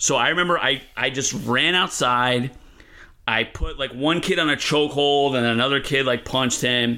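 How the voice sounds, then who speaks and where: A man at medium pitch with a New Jersey accent, very even loudness and fairly even intonation. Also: moderate pace. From New Jersey, Elizabeth. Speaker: comedian. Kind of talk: casual chat.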